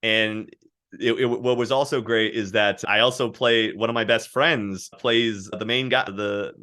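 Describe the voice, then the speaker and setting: A man who works as a voice actor, chatting as a guest and telling animated stories about his work. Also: lowish voice, unhurried. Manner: animated, anecdotal storytelling. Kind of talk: casual interview chat.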